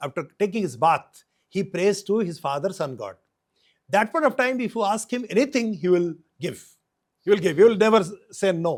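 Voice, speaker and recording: On a very clean recording with a silent background, a man with an Odisha accent speaks at a high pitch. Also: lively intonation, moderate pace. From Odisha, India. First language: Odia. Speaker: Mahabharata researcher and speaker. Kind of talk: podcast interview, storytelling. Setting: studio. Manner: halting.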